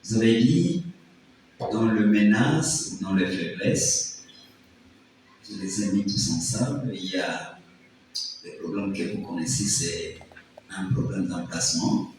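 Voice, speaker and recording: A man's voice: low voice, slow, pauses often. Male examiner in an echoing hall. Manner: probing questions, then animated preachy advice. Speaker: thesis examiner. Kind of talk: questioning and advising at a thesis defense. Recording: echoey hall, distant mic, faint noise.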